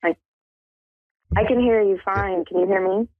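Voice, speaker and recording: A woman's voice: mid-range voice, steady tone, normal speed, no room sound. A woman calling in to a talk show, her voice coming through a broken-up phone line, eager and cheerful. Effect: breaking-up phone line. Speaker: caller. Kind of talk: call-in chat.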